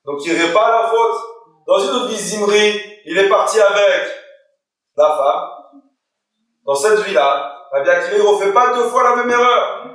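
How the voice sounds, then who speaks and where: Heard from a distance in a very echoey hall or study room, a male rabbi with a high-pitched, animated voice tells a story at a moderate pace and a fairly bright tone. He gives the characters their own lines and throws questions to the people attending his Torah lesson.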